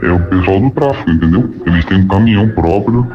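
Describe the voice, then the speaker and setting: An anonymous male witness heard through voice distortion that pitches him down. He speaks haltingly and repeats words as he searches for them, in a muffled recorded interview clip. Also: expressive. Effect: distorted disguised voice, pitched down.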